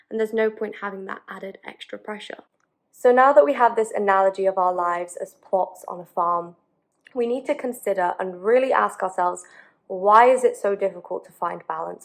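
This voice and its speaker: A woman with an English accent at a fairly quick pace, medium pitch, ordinary pitch variation, and big swings in loudness. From England. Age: young. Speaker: prospective medical student. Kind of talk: advice talk to camera.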